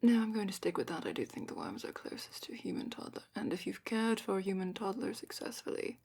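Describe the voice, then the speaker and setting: A woman playing a calm, probing dragon-academy examiner in a whispered ASMR roleplay, speaking softly and deliberately with thoughtful pauses. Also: medium pitch, full character voice. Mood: explaining. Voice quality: soft, breathy whisper.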